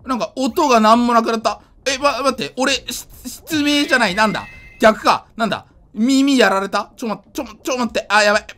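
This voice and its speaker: A drunk man giving casual gameplay commentary, rambling, slightly slurred and excitable, often repeating himself. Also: very high-pitched, a little fast. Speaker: gaming video creator.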